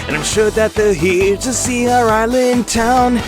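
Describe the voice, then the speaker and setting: Man playing an excitable high-voiced young ape prince. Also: unhurried. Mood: excited, welcoming. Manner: enthusiastic, announcing. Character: young eager ape, proud future island ruler, welcoming tourists. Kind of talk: fan audio drama with musical number. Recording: music behind.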